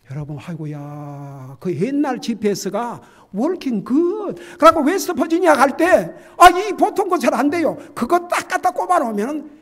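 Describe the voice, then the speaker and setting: Lively older Korean-speaking pastor preaching. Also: male voice, on the high side. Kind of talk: sermon. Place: church sanctuary.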